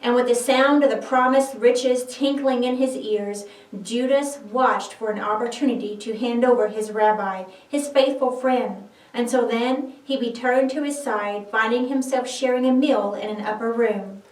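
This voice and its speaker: A woman narrates a dramatic biblical script with solemn, theatrical phrasing. Her voice is somewhat high and sounds distant from the microphone in an echoing room. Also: fairly even intonation, moderate pace, few pauses.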